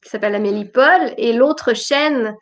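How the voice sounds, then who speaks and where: Online interview host, woman, fairly high voice, blended France and Quebec accent, relaxed chat style. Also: moderate pace. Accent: mixed French and Quebec. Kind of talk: casual chat.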